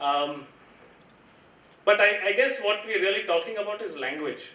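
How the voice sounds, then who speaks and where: In a Gujarati accent, a raised, projected voice carries through audible room echo over noticeable background noise. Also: man. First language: Kutchi. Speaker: university head. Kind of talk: conference address. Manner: halting.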